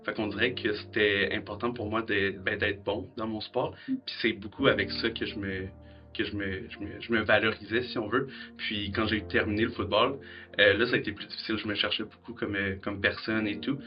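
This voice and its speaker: A man's voice: fairly low pitch, steady tone, brisk. Young Quebec man, casual testimony. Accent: Quebec French. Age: 20s. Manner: casual, searching for words. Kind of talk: testimony video. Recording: dull recording with soft guitar.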